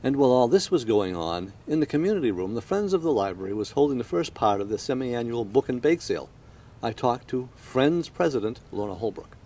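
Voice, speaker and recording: A man's voice: medium pitch, very animated, fairly quick, mellow. A man working as a local TV reporter, narrating and conducting interviews on site.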